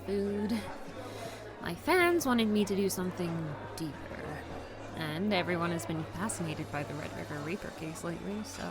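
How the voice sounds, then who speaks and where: An actress plays an outgoing young woman, a vlogger and doting friend who likes to nag. Her middle-pitched voice moves in lively swoops as she coaxes and teases. It is naturalistic audio drama, with music clearly behind her. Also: close to an everyday voice. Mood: chatty, candid. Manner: expressive, coaxing, teasing. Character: outgoing female vlogger, doting but nagging close friend.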